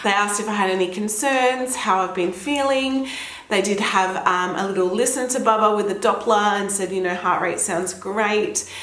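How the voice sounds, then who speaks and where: A woman's voice: medium pitch, moderate pace, a bit bright. A young Australian woman chatting casually to camera at home, a little throaty from a cold, rambling and laughing often. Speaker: vlogger. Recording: echoey room.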